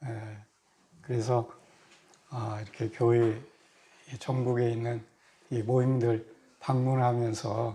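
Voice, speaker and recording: The man's voice sits at a medium pitch with monotone, flat intonation. He speaks at a very slow pace. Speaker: visiting lay preacher. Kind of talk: sermon. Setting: church. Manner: halting, many filler sounds.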